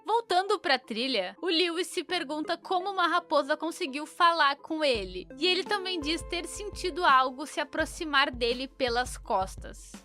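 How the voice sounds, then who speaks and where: A woman's voice: high-pitched, expressive, normal speed, few pauses, bright, forceful tone, soft background music. A young woman with a Brazilian accent recapping a story in casual commentary, with informal, opinionated asides. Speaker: YouTube commentator.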